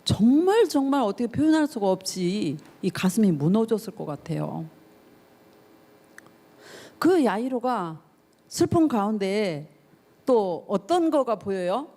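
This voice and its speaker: A woman youth pastor preaches to teenagers, telling the story with feeling, voicing its characters, and asking her listeners questions directly. Her medium-pitched voice is mellow and sing-song, measured in pace, with frequent pauses.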